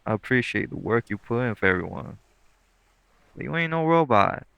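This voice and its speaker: A man's voice: mid-range voice, expressive, moderate pace, vocal fry, fairly bright tone, dull audio, slight background noise. A man playing a sweet, caring, teasing boyfriend in an intimate audio roleplay, speaking laid-back, coaxing slang with an African American Vernacular English accent. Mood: gently firm.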